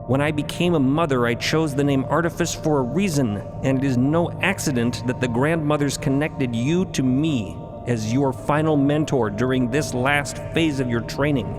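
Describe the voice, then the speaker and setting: Guy voicing a calm stern old religious mentor, solemn formal speech, measured, music behind, audio drama. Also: mid-range voice, natural voice. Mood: grave confession.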